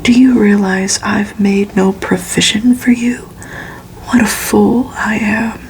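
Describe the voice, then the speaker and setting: A woman voicing an arrogant, impatient male vampire in a breathy, scornful whisper for an ASMR story reading. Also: mid-range voice, steady tone, slow, a little hiss or hum, low-quality recording. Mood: exasperated. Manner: scornful, commanding.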